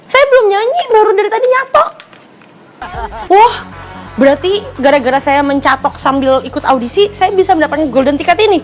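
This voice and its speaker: A woman's voice: very high-pitched, animated, a little fast, faint music behind. A woman in her twenties, from Palembang, talking in a sassy, exasperated way in a comedy sketch. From Palembang, Indonesia. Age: 20s. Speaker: comedy YouTuber.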